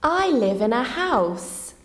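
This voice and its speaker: A woman playing ten-year-old Little Red Riding Hood in a school English audio play, speaking slowly and clearly. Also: on the high side, sing-song, roomy sound, long reverb tail. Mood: innocent. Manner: slow, clear, innocent delivery.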